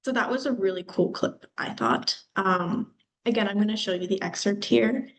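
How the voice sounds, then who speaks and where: A woman presenting to an audience at a mid-range pitch. Her delivery is relaxed and conversational, with frequent fillers between her points. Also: moderate pace, a little hiss or hum, poor audio. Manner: casual, filler-heavy explaining. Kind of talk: conference presentation.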